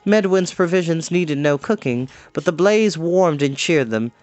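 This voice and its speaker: A man's voice: on the high side, animated, unhurried, a little mellow, dry recording, faint music behind. A man reading a story aloud expressively, with informal, chatty asides to listeners. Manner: informal, explains words to listeners.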